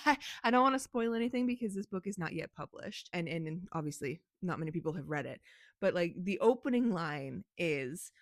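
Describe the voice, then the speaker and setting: A woman chatting animatedly about books, with a slightly low voice that is a little hoarse from talking. She laughs and swears freely. The sound is dry and close, with almost no room echo. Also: expressive, moderate pace. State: losing her voice a little. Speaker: book vlogger and author. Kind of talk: casual chatty vlog.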